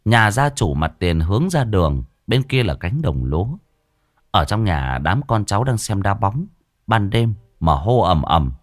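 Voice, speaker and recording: A man telling a comic story in lively, colloquial narration. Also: on the low side, measured pace, no echo, studio quality. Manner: lively colloquial narration with loud put-on voices. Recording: faint music behind.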